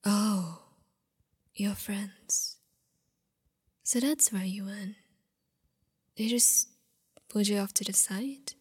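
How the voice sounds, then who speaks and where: A young woman whispers close to the microphone, her voice airy and breathy throughout. She talks slowly and intimately, doting but possessive, like a girlfriend speaking to her partner. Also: medium pitch. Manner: mostly whispering, soft and intimate. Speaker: ASMR roleplay performer. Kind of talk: whispered girlfriend roleplay, ASMR. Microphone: close mic.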